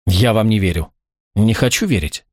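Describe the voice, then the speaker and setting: A man voicing a sharp-tongued young woman art buyer in an audiobook, challenging and quick to irritation. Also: fairly low pitch, lively intonation, no room sound, studio quality.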